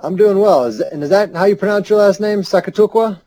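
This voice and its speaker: A man's voice: high voice, a little fast, dark tone, no room sound. A man hosting a casual interview podcast from home, friendly and a little self-deprecating, recording wrapped in a heavy blanket. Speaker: podcast host. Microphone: home podcast mic under a heavy blanket.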